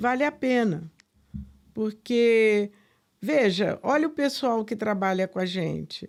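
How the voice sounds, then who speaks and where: A woman's fairly high voice, very slow, with long, frequent pauses and lively intonation. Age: 70s. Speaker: business owner and veterinary scientist. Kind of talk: interview.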